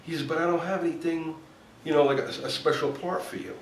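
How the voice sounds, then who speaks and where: Talking fast in a slightly high voice, this ex-cop-turned-actor from New Jersey tells lively stories in a relaxed conversation and performs the quotes of the people involved. The room echoes, he sits a bit far from the microphone, and some faint noise lingers behind him.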